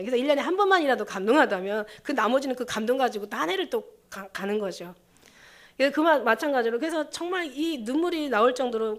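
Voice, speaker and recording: A woman pastor preaching a sermon in an emotional, halting way, with many restarts. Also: fairly high pitch.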